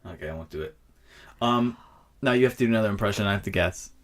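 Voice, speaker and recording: A man's voice: on the low side, quick pace. A young man hosting a podcast, chatting casually and joking with his sister as they swap impressions. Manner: joking, playful, lively delivery. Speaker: podcast host.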